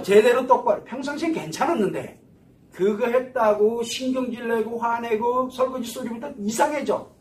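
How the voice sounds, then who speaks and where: Animated lecturing man, high voice. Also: a little hiss or hum. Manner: animated, asks the audience rhetorical questions. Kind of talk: psychology lecture to an audience. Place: lecture hall. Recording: echoey room from far off.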